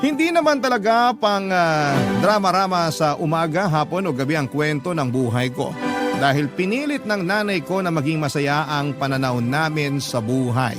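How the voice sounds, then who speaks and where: A man's voice: fairly high pitch, animated, moderate pace, lightly acted. A man playing a candid thirty-nine-year-old gay man narrating his life for radio drama, sentimental and respectful, with a Filipino accent. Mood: frank, reminiscing. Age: 30s. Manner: confiding, sentimental, respectful storytelling. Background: prominent music under the narration.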